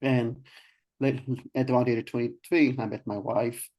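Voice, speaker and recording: A man's voice: medium pitch, fairly even intonation, moderate pace, darkish tone. A young man from Israel, a guest in an interview, talking casually with many ums and restarts. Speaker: guest, life coach.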